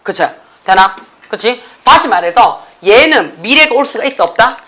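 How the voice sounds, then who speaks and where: Woman, English grammar teacher, slightly high voice, lively classroom lecture, constant tag questions. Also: moderate pace. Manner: lively, tag questions after nearly every sentence, acts out students' replies. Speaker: middle-school English teacher.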